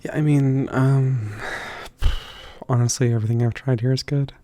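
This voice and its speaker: A man playing a kind, slightly awkward stranger in an ASMR roleplay, speaking gently and hesitantly with soft, casual phrasing. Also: mid-range voice, steady tone, no room sound, natural voice. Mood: warm, attentive. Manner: gentle, hesitant, softly chuckling, halting with thinking pauses.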